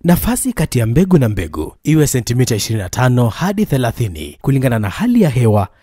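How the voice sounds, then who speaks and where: Mellow Kenyan man, husky and expressive. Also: mid-range voice, racing, no echo, clean studio sound. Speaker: voice-over artist. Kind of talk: scripted voice-over narration.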